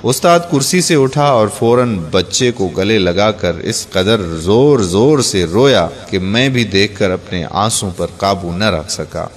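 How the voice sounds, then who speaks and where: A man's voice: on the low side, expressive, few pauses. A man earnestly narrating a heartfelt first-person moral story, ending in pleading appeals to his listeners. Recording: long reverb on the voice.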